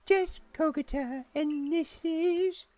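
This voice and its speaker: A man's voice: extremely high pitch, slow, warm tone, no echo, pitched above the performer's own voice. A man voicing a mysterious old woman who keeps the old myths, speaking in a solemn, portentous way. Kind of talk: dubbing game dialogue aloud.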